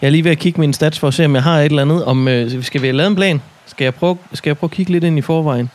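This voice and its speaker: A man's voice: a little high, a little mellow. A man playing a tabletop game in character, upbeat and confident, coaxing his companion along. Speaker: player. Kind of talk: tabletop role-play in character.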